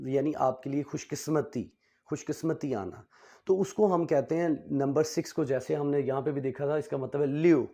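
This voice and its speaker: A man teaches a beginner language lesson. His voice sits a little high for a man. He moves between Urdu and English, slows down to drill single syllables and keeps checking in with his learners. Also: dark tone. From Pakistan. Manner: mixes Hindi-Urdu with English, drills Chinese syllables slowly; asks learners rhetorical check questions.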